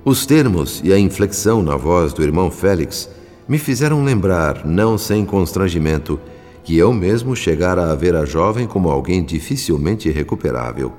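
Deep, reverberant Brazilian narrator. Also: male voice, animated, normal speed, darkish tone, faint music behind. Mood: solemn, reflective. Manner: solemn, formal, literary. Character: earnest, reflective male spirit narrator. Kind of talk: scripted radio drama narration.

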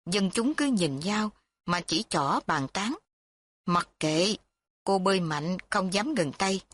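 Female storyteller, even scripted narration, mid pitch, dry room. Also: measured pace, no room sound.

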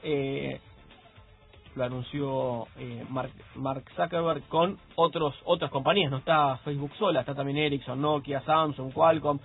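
A man's voice: mid-range voice, little pitch movement, measured pace, vocal fry, husky, faint music behind. A man with an Argentine accent co-hosting a radio tech show, chatting loosely and joking, often restarting his sentences. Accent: Argentine Spanish. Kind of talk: casual radio chat. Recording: phone-like radio broadcast.

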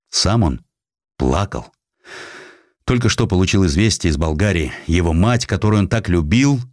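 A man reading a historical essay as an audiobook narrator, in an expressive, measured literary manner with distinct pauses. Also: fairly low pitch, no echo, studio quality.

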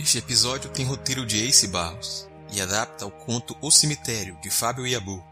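Show narrator: Brazilian man, medium pitch, scripted closing announcement over clear background music. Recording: music behind the voice.

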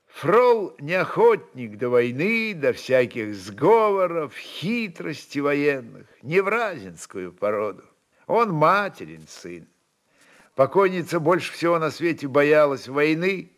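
Male storyteller, expressive literary narration, slow pace, dramatic pauses, wide intonation. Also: fairly high pitch.

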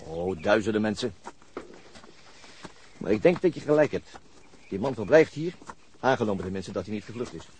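An actor playing a matter-of-fact police detective in a radio drama, reasoning aloud in a deliberate way. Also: male voice, on the low side, expressive, darkish tone, a little hiss or hum, lightly acted. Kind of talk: naturalistic radio drama acting.

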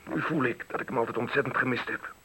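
A sharp, tense teenage son in a Dutch radio play, with some huskiness in the voice. He sounds hurt and confused, and speaks in an intense, accusing, confrontational way. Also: mid-range voice, steady tone, quick pace, breathy edge, rough recording.

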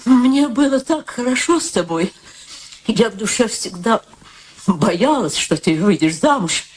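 A woman's voice: a little high, animated, a little slow. An old, ailing mother in a radio drama, speaks in a plaintive, theatrical way. She gushes and frets with sociable eagerness. A faint noise sits behind the voice. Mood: lamenting. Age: older. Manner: plaintive, effusive, repeats exclamations. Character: frail, dying elderly mother, fretful, sociable, theatrical. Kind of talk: radio play acting.

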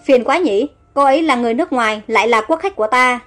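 Proud young emperor, still high-voiced, since a woman storyteller reads him. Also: fast, a bit bright, soft background music, lightly acted. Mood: flustered.

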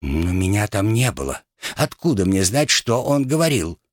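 A man's voice: lowish voice, big pitch swings, normal speed, no echo, clean studio sound. A man voicing a reluctant young female deckhand who sounds hesitant and resigned.

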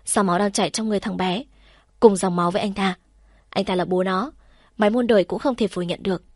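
A blunt, caring young woman in a spoken novel, frank and protective toward her best friend, as the woman narrating reads her lines. The voice is a middle-pitched everyday one, recorded close and dry. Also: steady tone, fast, dry recording, natural voice. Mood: earnest.

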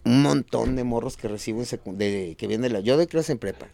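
Gravelly Mexican man, blunt and colloquial. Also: mid-range voice, fairly quick, warm tone. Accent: Mexican Spanish. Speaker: history teacher. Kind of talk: casual talk as a guest.

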